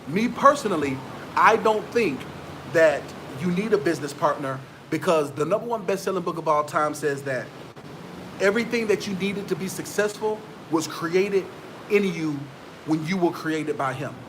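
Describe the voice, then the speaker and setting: A man's voice: on the high side, animated, moderate pace, noisy background. A man, giving motivational business advice straight to his viewers in a preachy, repetitive way. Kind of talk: motivational talk to camera.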